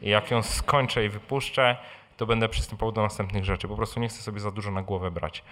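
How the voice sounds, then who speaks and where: Man, lowish pitch, live Q&A host, informal explanatory talk, repeated words, frequent tag questions. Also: steady tone, quick pace, fairly bright tone. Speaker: host answering audience questions. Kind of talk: live Q&A talk on personal finance. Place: live event before an audience.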